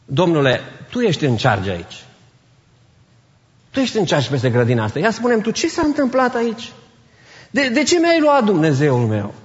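A man's voice: high-pitched, huge pitch swings, long pauses, voice pushed down. A man acting out an anxious grieving woman who insists on answers, in a sermon. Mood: insistent. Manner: pleading, insistent questions. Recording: reverberant hall, dull sound.

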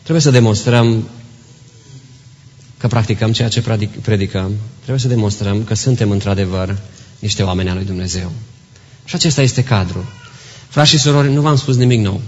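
A man's voice: fairly low pitch, pauses often, dull audio. A man preaching an earnest sermon to a congregation in a church, exhorting and telling stories. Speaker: pastor. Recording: long reverb in church hall.

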